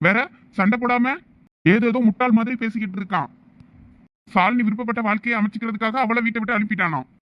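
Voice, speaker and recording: A man's voice: sits high, quick pace, no room sound, highs cut off, natural voice. A man voicing a loyal, hot-tempered young male friend in a cartoon, with a Thoothukudi Tamil accent. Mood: irritated. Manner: scolding, pleading with his friend. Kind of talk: cartoon voice acting.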